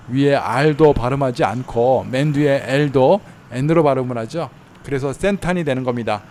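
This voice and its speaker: A man giving casual travel tips in a chatty way, slowing down to spell out how words sound. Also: medium pitch, a little mellow, slight background noise. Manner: chatty, slows down to spell out pronunciations. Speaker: travel vlogger in Thailand. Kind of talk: casual explanatory talk. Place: inside a car while driving.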